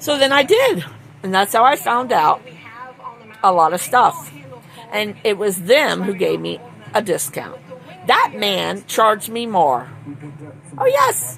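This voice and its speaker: Speaking at a fairly slow pace with long, frequent pauses, a woman sounds animated, her pitch swinging very widely over noticeable background noise. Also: medium pitch for a woman. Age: 60s. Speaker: vlogger. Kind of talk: personal vlog monologue.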